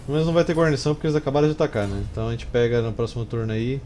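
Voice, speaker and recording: A man's voice: medium pitch, very fast, warm tone. A man in his thirties with a Brazilian accent, commenting casually on a strategy game in informal, slangy speech. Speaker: gameplay streamer. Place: small room indoors. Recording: clear background noise. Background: game sounds and ambience.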